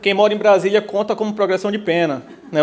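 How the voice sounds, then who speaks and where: Fairly quick speech from a man at a high pitch, with ordinary pitch variation and noticeable background noise. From Brazil, Recife (Pernambuco). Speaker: public procurement official, conference speaker. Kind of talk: conference lecture.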